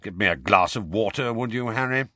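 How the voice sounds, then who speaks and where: A gruff veteran wizard of the storybook kind, performed by a male narrator. He growls his lines bluntly and irritably, with dark humour. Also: on the low side, brisk, no room sound, clean studio sound. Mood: brusque.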